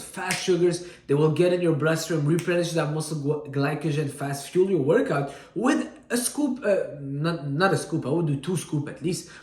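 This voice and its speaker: Energetic fitness coach from Syria. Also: male voice, on the high side, reverberant. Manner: energetic, repeats "all right?" often. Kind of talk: casual fitness advice to camera.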